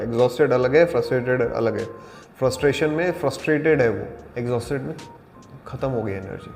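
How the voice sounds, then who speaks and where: A man teaching an acting class, explaining exercises in a calm, deliberate way and mixing in English terms. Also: medium pitch. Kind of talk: spoken acting lesson. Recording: echoey hall with faint music.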